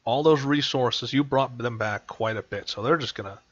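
A man's voice: mid-range voice, normal speed, no echo. A man narrating as game master over voice chat, laughing often and slipping into character lines. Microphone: headset over voice chat. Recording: dull lo-fi voice chat.

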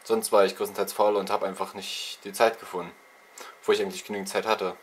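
A man's voice: sits low, little pitch movement, fast talker, slight background noise. Young man rambling casually with a slight cold. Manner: loose, chatty, self-mocking, filler-heavy. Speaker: let's play channel host. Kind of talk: casual rambling info vlog. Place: bedroom with TV and consoles, indoors. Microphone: handheld video camera's built-in mic.

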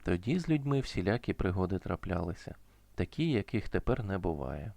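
A man narrating a folk fairy tale as a storyteller, in a measured, rhythmic way. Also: low-pitched, big pitch swings, gravelly, darkish tone, no room sound.

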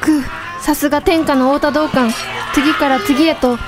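Loyal samurai princess , female actor, young, high-pitched, brave, theatrical delivery for a historical audio drama. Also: steady tone, measured pace, over loud music. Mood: resolute, desperate. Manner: dramatic, archaic warrior speech. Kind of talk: Japanese historical voice drama acting.

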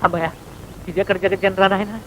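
An actor playing a flustered, pompous writer in a film comedy, with a theatrical manner. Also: male voice, sits high, level tone, quick pace, lightly acted. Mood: fussy. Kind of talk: 1980s film comedy acting. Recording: dull old film soundtrack with faint hiss.

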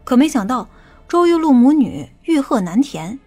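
A woman playing a stern, knowing female investigator in an audiobook, with a brisk, assertive manner. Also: high voice, very animated, mellow, faint music behind, exaggerated voice. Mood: explaining. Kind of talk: audiobook character dialogue.

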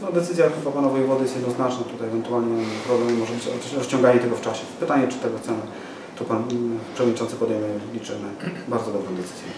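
A man's voice: mid-range voice, quick pace. Hesitant man, echoey press room. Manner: hesitant, many fillers and restarts. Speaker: local party activist at press conference. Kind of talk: press conference statement. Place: small office room with window. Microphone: far camera mic. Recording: echoey room from far off, noisy.

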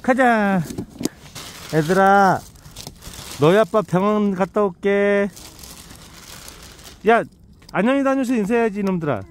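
This man's voice is high-pitched and measured, with frequent pauses and a faint hiss or hum. He's a vlogger looking after rescued dogs in a rural yard with kennels, talking casually to them and his audience, using baby talk with the puppies and laughing a lot.

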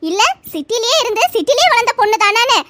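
A woman voicing a calm cartoon doctor who lectures and scolds kindly, with loud noise behind. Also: very high-pitched, fast. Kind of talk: cartoon voice acting.

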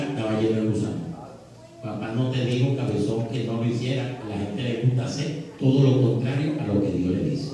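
A man preaching a sermon, telling the story with lively acted voices and calling out to the congregation. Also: mid-range voice. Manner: animated storytelling, acts out voices, calls to congregation. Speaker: evangelist preacher. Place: church. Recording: echoey church hall, voice from far off.

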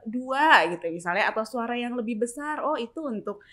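Measured woman explaining parenting rules. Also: fairly high pitch, animated, fairly bright tone. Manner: measured, lists points, checks in with tag questions. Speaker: parenting expert. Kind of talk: explanatory interview talk.

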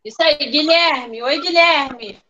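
A woman's voice: high-pitched, takes it slowly, sharp tone. A woman teacher running an online class for young children, coaxing and prompting pupils by name over a video call. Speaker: first-grade teacher. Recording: dull lo-fi video call audio.

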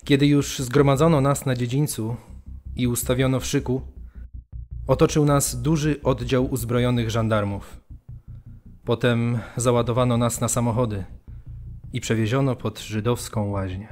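A man's voice: medium pitch, steady tone, moderate pace, a little mellow, soft background music, natural voice. A man acting a prisoner who recounts his memories in a documentary audio drama. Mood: recounting. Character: male prisoner recounting being rounded up. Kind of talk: dramatised documentary memoir reading.

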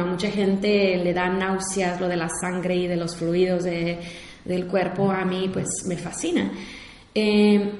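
A woman's voice: medium pitch, a little mellow. Mexican woman in her 20s giving a talk, lots of ums and restarts, roomy echoey hall. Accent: Mexican Spanish. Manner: informal, many fillers and restarts, speaks Spanglish. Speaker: invited speaker, war veteran. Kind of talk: public talk to an audience. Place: university lecture hall.

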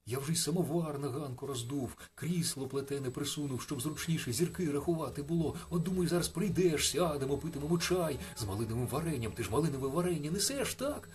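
A man's voice: fairly high pitch, very animated, quick pace, hardly any pauses, a bit bright, pitched above the performer's own voice. A man putting on an eager, rambling bear cub. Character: chatty excitable little bear cub. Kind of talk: storybook reading.

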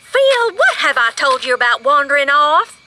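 High, animated mother flamingo. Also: normal speed. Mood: exasperated. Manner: motherly, giggly, fussing. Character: chatty mother flamingo, good-humored and fretful. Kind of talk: children's cartoon voice acting. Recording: music behind, screen-recorded cartoon.

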